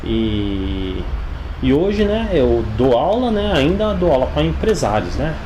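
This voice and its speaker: A man in his forties speaks with a São Paulo Brazilian accent and a mid-range pitch. He answers in a conversational interview style, as a sales coach would. Clear background noise and ambience sit behind his voice. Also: sing-song, takes it slowly. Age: 40s. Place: inside his home.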